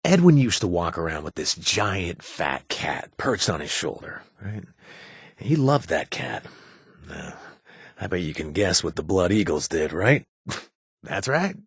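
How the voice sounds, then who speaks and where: A man's voice: low voice, big pitch swings, measured pace, gravelly, breathy edge, no room sound, heavily acted. A man voicing a wry, sarcastic wasteland ally in a video game, talking with dry humor and frequent hesitations. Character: wry, sardonic wasteland man worried for his brother.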